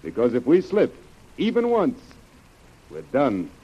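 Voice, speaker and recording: Commanding radio adventure hero. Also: male voice, medium pitch, huge pitch swings. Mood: grave, resolute. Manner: brisk, authoritative. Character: steady, commanding male jungle adventurer hero. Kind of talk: 1930s radio serial acting. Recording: muffled, noisy old radio recording.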